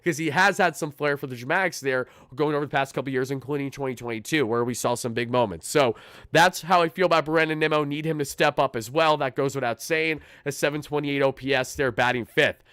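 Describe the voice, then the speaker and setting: A young man with a raspy, hoarse voice from shouting, hosting a pregame live stream and talking fast and fired up as a fan. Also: mid-range voice, steady tone, dry recording, studio quality. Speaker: sports channel host.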